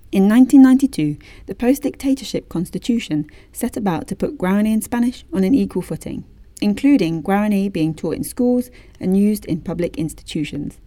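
A woman's voice: medium pitch, dark tone, no room sound. A woman host narrating a documentary script with wry, informal asides.

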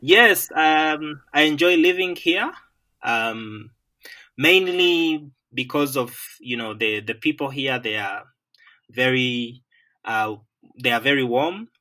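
A man from Western Uganda with a Ugandan accent, speaking slowly with many pauses and fillers in an interview. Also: mid-range voice, pushed and bright, low-quality recording. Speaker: land management professional. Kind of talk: remote interview conversation.

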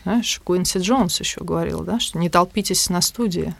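Gravelly-voiced woman, animated talker. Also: fairly low pitch, normal speed, dry recording. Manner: animated storyteller, acts out quotes. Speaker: music industry guest. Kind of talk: conversational interview.

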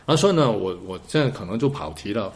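A man with a fairly low voice speaks Mandarin with a non-native accent. He talks in a reflective, conversational way, often pausing to search for a word and repeating himself as he goes. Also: lively intonation, a little mellow. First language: not Mandarin; says their Mandarin is poor. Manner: halting, searching for words, repeats phrases. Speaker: academic guest, researcher and teacher.

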